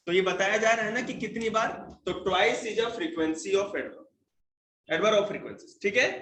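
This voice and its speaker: A man's voice: sits high, a bit bright. A man with a Hindi accent teaching grammar to a classroom of children, joking and quizzing pupils by name. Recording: echoey room, faint noise.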